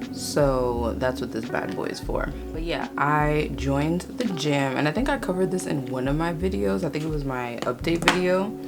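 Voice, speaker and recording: A woman talks at a moderate pace with hardly any pauses. Audible room echo and noticeable background noise surround her voice. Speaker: lifestyle vlogger. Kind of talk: casual vlog chat. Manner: speaking low.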